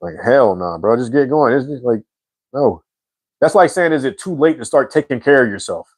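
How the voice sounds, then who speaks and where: Slangy relaxed man in his forties, dry sound. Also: mid-range voice, moderate pace, no echo. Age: 40s. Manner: slangy and relaxed, says bro and man a lot; reads viewer comments aloud and answers. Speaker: host answering live chat. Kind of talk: casual live-stream chat.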